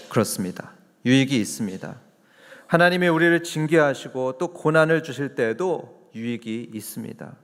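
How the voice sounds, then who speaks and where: Male pastor, mid-pitched voice, preaching with questions to the congregation, long church-hall reverb. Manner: asks the congregation questions, answers them himself; acts out quoted voices with raised pitch. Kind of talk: sermon. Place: church sanctuary.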